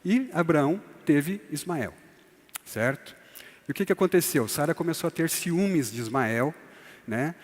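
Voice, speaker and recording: A man's voice: fairly high pitch, animated, measured pace. A man teaching a church couples course in a conversational way, often tagging his sentences with a questioning "né?". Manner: conversational, tags lines with "né?", acts out quoted voices. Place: church hall. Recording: long hall reverb.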